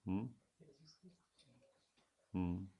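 Slow, fervent male preacher. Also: low-pitched, steady tone, phone-quality sound, slight background noise. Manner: slow, reflective, swelling into fervent exclamations. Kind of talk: sermon.

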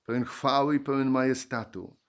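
A man preaching a sermon, reading Bible verses and speaking slowly and reflectively, then rising into fervent exclamations. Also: mid-range voice, steady tone.

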